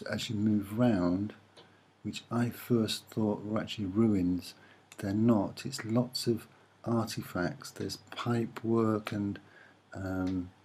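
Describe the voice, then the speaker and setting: Slow, low, soft-spoken man. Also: slightly rough. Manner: tentative, hesitant, musing. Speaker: amateur presenter of image analysis. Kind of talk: soft-spoken rambling image commentary.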